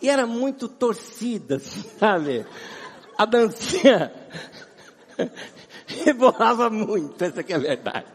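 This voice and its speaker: A man with a Brazilian accent preaching a humorous sermon as a guest preacher, telling animated stories with a husky voice and sweating as he talks. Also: sits high, slow pace, pauses often. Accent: Brazilian Portuguese. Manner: animated, laughing storyteller. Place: large round church. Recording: long church hall reverb.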